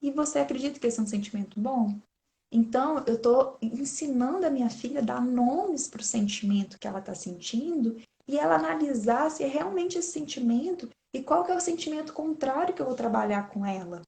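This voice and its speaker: A woman's voice: sits high, animated, normal speed, gravelly, hardly any pauses, dark tone. A woman in her thirties with a Brazilian Portuguese accent, giving an informal talk on raising children and often turning to her listeners. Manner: chatty, keeps addressing listeners as "gente". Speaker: parenting speaker. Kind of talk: informal talk to an online audience.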